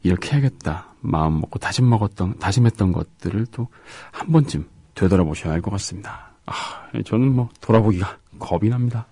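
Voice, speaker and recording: A man co-hosting a radio show, chatting casually and reading listener comments in a halting, soft-spoken way with gaps between his words. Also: on the low side, expressive, husky, no room sound.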